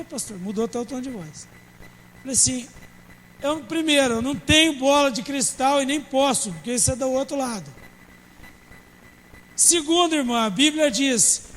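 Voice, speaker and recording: A man's voice: very high-pitched, a bit bright, long reverb tail, slight background noise, poor audio. A man, a pastor preaching a sermon with humor and acting out church members in dialogue. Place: church service.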